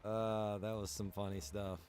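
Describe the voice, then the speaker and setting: Guy streamer w/ lowish voice, just chatting casually over his game, some music in the back. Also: little pitch movement, unhurried, darkish tone. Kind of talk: casual chat while streaming roleplay game.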